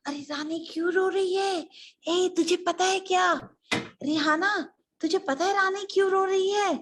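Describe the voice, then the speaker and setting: A woman's voice: sits high, big pitch swings, moderate pace, background noise. A woman voicing gossiping young maidservants in a children's story, chattering nervously. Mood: gossipy.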